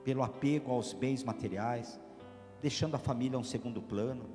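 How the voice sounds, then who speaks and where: A man, a priest giving a sermon, telling a story dramatically, swinging between loud preaching and hushed narration. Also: medium pitch, fairly quick, big-room sound, soft background music. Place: church.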